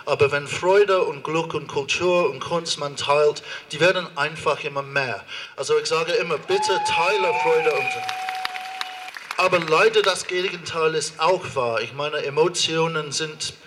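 A man's voice: fairly high pitch, a bit bright, a little hiss or hum. A man with an English accent speaking German as a second language, addressing a street demonstration with hesitant phrasing and many fillers. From England. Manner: halting non-native German, frequent hesitations. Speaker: opera house director speaking at a rally. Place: outdoor demonstration on a square.

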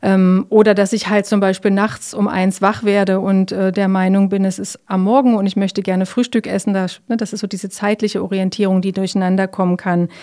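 Give me a calm woman with a mellow voice explaining things patiently in an interview. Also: mid-range voice, fairly quick, hardly any pauses. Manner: calm, explanatory, frequent fillers and tag questions.

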